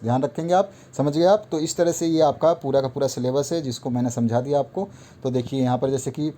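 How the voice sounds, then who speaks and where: Man, teacher, mellow tone, repetitive, walking through a list. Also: mid-range voice. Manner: repetitive, instructive, walks through a list item by item. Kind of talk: explaining a syllabus to students.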